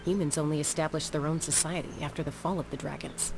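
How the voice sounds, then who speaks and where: A low-voiced, assured adventurer. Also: female voice, steady tone, fast, gravelly, noisy background. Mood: explaining. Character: composed, knowledgeable woman adventurer, bold and eager. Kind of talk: video game voice acting. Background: game music.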